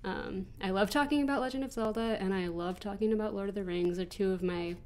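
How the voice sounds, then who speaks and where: A woman's voice: medium pitch, quick pace, a little mellow. Congested young woman rambling casually. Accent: American. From United States. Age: 20s. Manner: chatty, rambling, frequent ums and restarts. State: congested from allergies. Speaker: gaming channel host. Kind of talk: rambling casual Q&A over gameplay.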